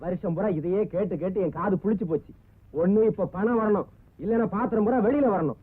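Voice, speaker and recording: An actor playing a heartless village moneylender in a film scene, harsh and dismissive. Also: male voice, high voice, fairly quick, lightly acted. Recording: tinny lo-fi old film sound.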